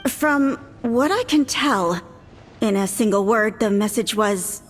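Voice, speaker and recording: A woman voicing a sharp-tongued young tribal priestess in an anime-style video game. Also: mid-range voice, animated, takes it slowly, soft background music. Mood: puzzled.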